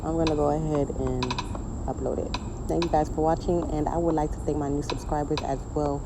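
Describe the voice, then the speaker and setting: A woman's voice: low-pitched, fairly even intonation, brisk, very noisy. A woman nail artist chatting casually over her tutorial, rambling and correcting herself, and keeping her voice down. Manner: keeps her voice down for the neighbors.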